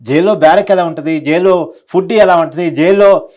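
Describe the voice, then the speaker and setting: A man gives political analysis at a very quick pace in a fairly high-pitched voice. He talks emphatically, repeating key phrases and posing rhetorical questions as he explains. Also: darkish tone. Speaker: political editor giving analysis. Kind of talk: live news discussion, unscripted explanation.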